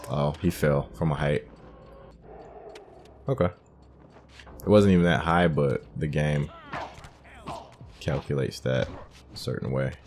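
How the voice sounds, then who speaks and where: A man's voice: extremely low pitch, takes it slowly, long pauses, noisy background. A man giving laid-back, casual commentary as he plays through a video game, muttering short remarks to himself. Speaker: gaming streamer playing through a game. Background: game music.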